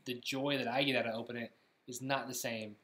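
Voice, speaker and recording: A man's voice: medium pitch, steady tone, fast talker, pushed and bright. A man in his thirties chats on a home live stream in an easygoing, rambling way, cracking jokes and repeating himself. His voice carries a noticeable roomy echo from the space around him. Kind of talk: casual live-stream chat.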